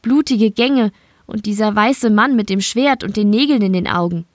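A woman's voice: mid-range voice, normal speed, dry recording, studio quality, natural voice. A woman voicing a beaten young female prison guard who speaks bitterly and reproachfully in an audiobook. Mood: urgent. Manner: reproachful, pointed.

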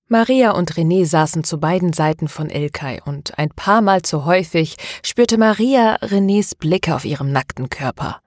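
A woman narrating an audiobook novel in a steady, measured reading. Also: sits low, no room sound, studio quality. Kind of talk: scripted narration.

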